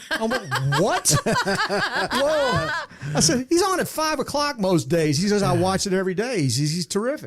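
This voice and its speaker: A man with an East Texas accent speaks at a moderate pace. His pitch swings very widely over noticeable background noise. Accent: East Texas Southern US. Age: 60s. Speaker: sports broadcaster. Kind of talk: casual chat.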